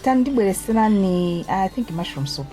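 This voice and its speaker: An actress plays a sociable Malawian woman doctor in a radio drama. Her chatty speech has lively, swinging intonation at an average female pitch, with faint music behind it. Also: normal speed, close to an everyday voice, low-quality recording. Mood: friendly, teasing. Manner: chatty, mixes in English phrases.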